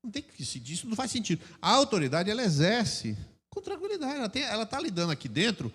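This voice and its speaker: An older man preaches with a Brazilian Portuguese accent, his fairly high voice leaping up and down as he acts out little scenes. Long reverb from a large church hall trails behind every phrase. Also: fast, husky. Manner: animated, acts out quarrels with sudden shouts and mock voices. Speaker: pastor. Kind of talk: sermon.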